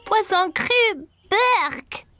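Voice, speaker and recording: Brief: very high-pitched, unhurried cartoon boy of four, curious and timid, voiced by an adult, music underneath. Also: lively intonation, pushed and bright, exaggerated voice. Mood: chatty. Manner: earnest, questioning, easily worried. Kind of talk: cartoon dubbing.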